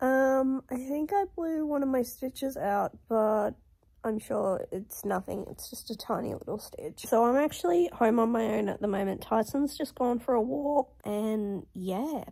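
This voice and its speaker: A woman with a high, nasal voice and a dark, mellow tone speaks at a fairly slow pace with lively intonation against a quiet background. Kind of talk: casual vlog chat. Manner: congested nasal voice, swollen nose. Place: home room. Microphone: phone near.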